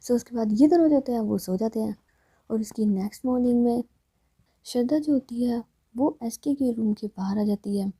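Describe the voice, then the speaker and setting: A woman's voice: a little high, normal speed, warm tone, breathy edge. A woman narrating a love story in a plain, conversational storytelling manner.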